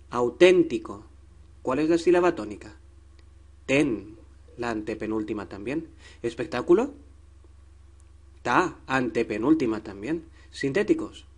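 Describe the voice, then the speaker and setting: A man's voice: medium pitch, breathy edge. A man teaching a grammar lesson to children, patient and coaxing, stretching out syllables.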